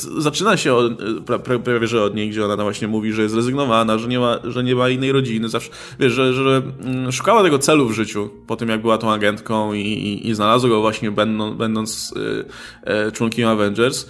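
A man's voice: medium pitch, brisk, a bit bright. A man co-hosting a casual film discussion podcast, talking with many fillers and restarts. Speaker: podcast co-host.

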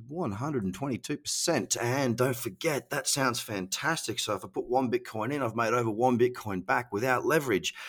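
A middle-aged Australian man hosts his podcast alone in a loose, slangy, self-mocking way. His voice is on the low side and comes out nasal and stuffy from a cold. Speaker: podcast host. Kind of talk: casual solo podcast.

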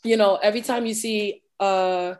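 Chatty guest, American woman, mid-pitched, loose and filler-heavy. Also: fairly even intonation, moderate pace, darkish tone, slight background noise. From United States. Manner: talks with frequent fillers and "you understand?" tags. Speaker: podcast guest. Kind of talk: casual conversation.

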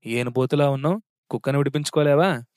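A man's voice: mid-range voice, fast talker, a little mellow, smooth, no room sound, studio quality, lightly acted. A man voicing a scornful senior police officer who scolds a subordinate with contempt. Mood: scolding.

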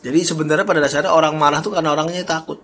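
A man's voice: on the high side, steady tone, racing, a bit bright. A young man hosting his own podcast in a casual solo monologue, chatty and often correcting his own slips with a laugh. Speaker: podcast host.

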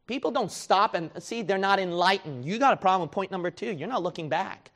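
A male preacher delivers a sermon in a high-pitched voice. He pushes his listeners with rhetorical questions and plays out their excuses in quoted voices. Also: lively intonation, fairly quick, fairly bright tone.

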